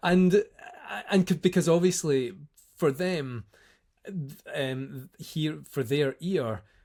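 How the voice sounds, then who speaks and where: A man with a Scottish accent, fairly high-pitched yet dark and mellow in tone, at a very slow pace with long, frequent pauses and ordinary pitch variation, in a very clean recording over a silent background. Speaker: voice actor. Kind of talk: casual interview chat.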